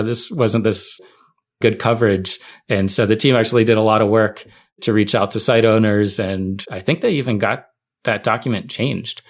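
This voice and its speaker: A man chatting on a podcast as co-host. His voice is fairly low, and he explains things in an informal, conversational style. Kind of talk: casual explanatory chat.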